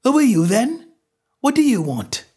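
A man's voice: high-pitched, big pitch swings, moderate pace, voice pushed up, exaggerated voice. A man voicing a timid, nervous little man who whines in a quavering voice. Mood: whining. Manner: whining, quavering.

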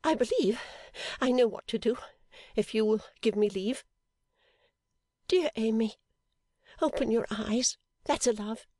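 A reader voicing an indignant, snobbish young woman who scolds in long, shrill complaints in an audiobook. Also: animated, moderate pace, no room sound, clean studio sound. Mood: tearful, flustered. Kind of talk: storybook reading.

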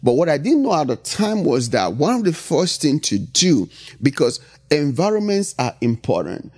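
A man's voice: on the high side, sing-song, normal speed, a little mellow, breathy edge. A middle-aged man from Nigeria with a Nigerian accent, hosting a motivational business podcast and driving his points home with repetition and frequent "right?". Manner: emphatic, repetitive, asks "right?" often. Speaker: podcast host.

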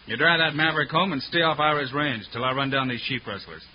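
An actor playing a calm, heroic frontier marshal who speaks firmly and commandingly, in 1940s radio acting style. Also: male voice, medium pitch, natural voice. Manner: firm, commanding, brisk. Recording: dull hissy old radio broadcast.

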